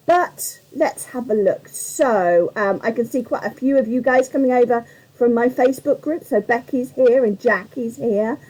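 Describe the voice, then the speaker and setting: Mellow, slightly croaky woman. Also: fairly high pitch, moderate pace, low-quality recording. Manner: rambling and chatty, greets viewers by name. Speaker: craft tutorial host on a live stream. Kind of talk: chatty live craft demonstration.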